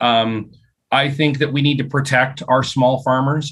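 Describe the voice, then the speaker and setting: An ordinary speaking voice from a medium-pitched man, fairly slow, with ordinary pitch variation. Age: 50s. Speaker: chef and restaurant owner. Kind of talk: interview.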